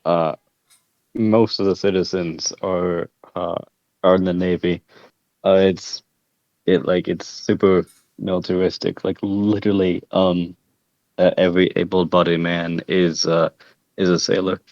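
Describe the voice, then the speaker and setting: A man with a very low voice talks slowly and haltingly, with many fillers, about his part in a tabletop game. His mic sounds dull and dry, lo-fi. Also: little pitch movement, a little mellow, dry recording. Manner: slow, hesitant, many fillers. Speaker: player. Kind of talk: casual chat between players.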